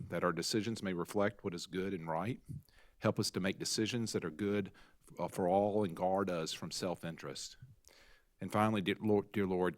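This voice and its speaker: A man on a school board who leads an opening prayer and makes formal motions in a measured, solemn way. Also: low voice, no echo, clean studio sound. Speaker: board member leading prayer.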